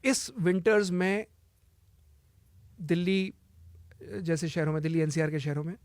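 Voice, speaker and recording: A man with a fairly high voice gives emphatic health advice as a cancer healer. He hammers his warnings home by repeating them and slips English phrases into his Hindi. The sound is close and dry, with no room around it. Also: a little slow, a little mellow, no echo. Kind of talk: advice-giving interview talk.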